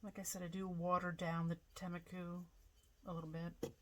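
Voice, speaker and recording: In her home pottery studio, a woman potter gives a casual demonstration, chatty and relaxed, thinking aloud with lots of fillers while she works. Her voice is lowish and her pace moderate. The audio quality is poor.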